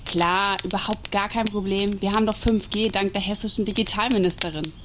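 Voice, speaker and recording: A woman's voice: mid-range voice, fairly even intonation, a little fast. A woman performing colloquial, scripted dialogue in an audio play. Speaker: podcast host acting in a short audio play. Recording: noisy binaural campfire scene.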